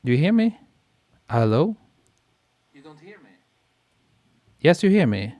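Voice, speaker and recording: A photographer hosting a live stream, chatting casually and reading out viewer comments, relaxed and quick to laugh, speaking into a podcast mic. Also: male voice, on the high side, dry recording. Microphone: podcast mic on a boom arm.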